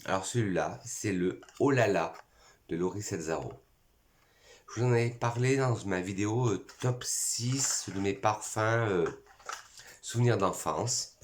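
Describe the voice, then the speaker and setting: A French man presenting perfume bottles in a casual vlog, a little hoarse from a cold, eagerly listing scent notes one by one. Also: on the low side, unhurried, slight background noise. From France. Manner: enthusiastic, lists notes one by one. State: has a cold, voice cracking. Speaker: perfume YouTuber.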